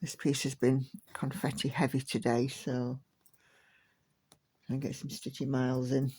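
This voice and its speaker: A woman chatting slowly and gently from home while she stitches, like a vlogger talking along with her work. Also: extremely low pitch, breathy edge, no room sound. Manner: slow, gentle, relaxed chatter. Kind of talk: casual chat while stitching.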